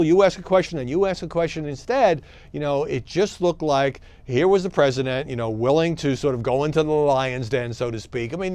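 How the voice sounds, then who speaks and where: A man giving conversational opinion commentary, halting at times and stressing key words. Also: fairly high pitch, darkish tone, no room sound. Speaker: media commentator.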